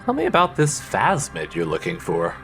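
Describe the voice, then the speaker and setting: A lower-voiced man casually commenting on a video game as he reads dialogue aloud, joking and rambling with a very animated, bouncing pitch. Game music sits softly underneath. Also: normal speed, creaky. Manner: rambling, joking, self-interrupting. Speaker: let's play host.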